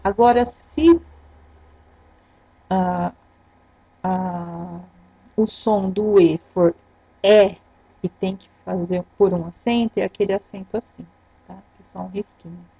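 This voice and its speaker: A Brazilian woman teacher recording a grammar lesson for her students, explaining step by step and checking in with a quick "tá?" after each point. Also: on the low side, slightly rough, no echo. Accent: Brazilian Portuguese. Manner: patient, explains step by step, ends phrases with "tá?". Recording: dull lo-fi sound.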